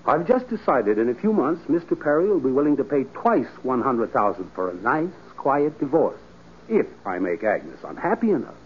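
A man playing a smooth, self-assured criminal blackmailer with a suave, mocking theatrical manner in a 1940s radio crime drama. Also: mid-range voice, big pitch swings, moderate pace, slight background noise, natural voice. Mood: menacing. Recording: muffled, tinny old radio recording.

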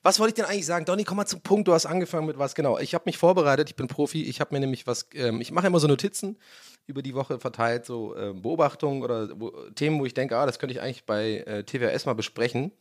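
A young man, slightly hoarse, hosting his own podcast from a room at home and ranting in a casual, swearing way. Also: mid-range voice, fast. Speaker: podcast host. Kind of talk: casual solo podcast monologue. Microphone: own studio mic.

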